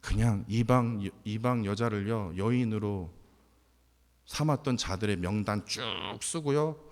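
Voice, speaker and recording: A man preaching a sermon as pastor, animated, jumping from loud outbursts to hushed near-whispers. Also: on the low side, measured pace. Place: church sanctuary. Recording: long hall reverb.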